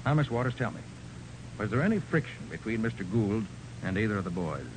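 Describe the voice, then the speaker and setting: Guy playing confident radio private eye, talks fast, bouncy pitch, old noisy recording. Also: animated, natural voice. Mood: brisk, probing. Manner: brisk, decisive, questioning. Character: brisk, stubborn, confident male private detective. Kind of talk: 1940s radio drama acting.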